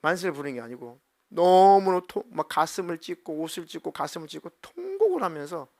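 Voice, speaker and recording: A middle-aged man preaching a sermon as senior pastor, telling a story with lively, acted-out dialogue. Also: fairly high pitch, brisk, vocal fry, no room sound, studio quality. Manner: animated storytelling, acting out quoted dialogue.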